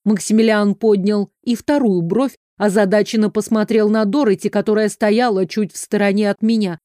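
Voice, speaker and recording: A woman narrating an audiobook in first person, in a measured, expressive reading on a close mic. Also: medium pitch, dry recording.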